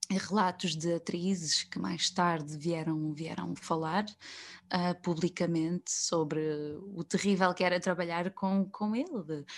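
Speaking at a very slow pace, a woman keeps her intonation fairly even. Her pitch is fairly low. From central Portugal (Coimbra, Viseu). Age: 20s. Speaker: actress. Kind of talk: interview conversation. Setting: video call.

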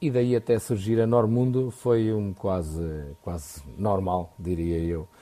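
A man with a European Portuguese accent speaks at a very slow pace in a fairly low, dark and mellow voice with ordinary pitch variation over a quiet background. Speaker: religion teacher. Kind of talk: radio interview. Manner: halting.

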